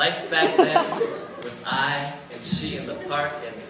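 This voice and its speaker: A man talks with noticeable background noise all around. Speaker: spoken word poet. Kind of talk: spoken word poetry performance.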